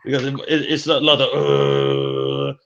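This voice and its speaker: Man, slow, joking casual chat, slightly dull recording. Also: mid-range voice, very animated, over a noisy crowd. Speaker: band singer being interviewed.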